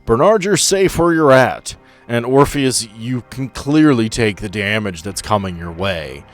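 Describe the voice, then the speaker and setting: A man's voice: mid-range voice, expressive, measured pace, no room sound, faint music behind. A man working as game master, narrating the action and addressing players directly in a conversational way. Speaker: game master of a tabletop role-playing podcast.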